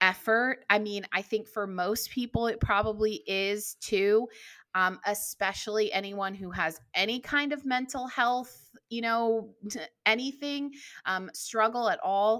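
Speaking at a fairly slow pace, a woman with a fairly high pitch and ordinary pitch variation has a plain, everyday voice, captured in a very clean recording with a silent background. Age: 30s. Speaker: author. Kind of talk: interview conversation.

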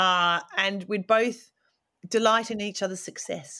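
With an Australian accent, a woman of medium pitch is heard in a very clean recording with a silent background. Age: 40s. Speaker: comedian. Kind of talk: casual chat.

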